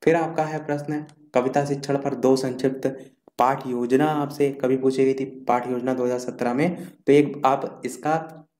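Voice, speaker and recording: Male teacher, exam revision lecture, lists out points, echoey room, mid-pitched voice. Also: steady tone, normal speed, a little mellow. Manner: reads out points in a list, repeats key terms. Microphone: screen recording while scrolling notes.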